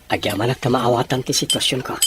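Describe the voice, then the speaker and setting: Man as dutiful young boyfriend; medium-pitched, polite, placating and a little hesitant, audio drama. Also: steady tone, fast talker, background noise, close to an everyday voice. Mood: apologetic, serious.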